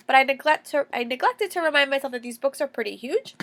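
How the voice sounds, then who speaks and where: A young woman with a cold, sounding congested and coughing now and then, chatting eagerly about her month's books and stressing words by saying them twice. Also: high voice. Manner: chatty, enthusiastic, repeats words for emphasis. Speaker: book vlogger. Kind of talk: casual reading wrap-up vlog.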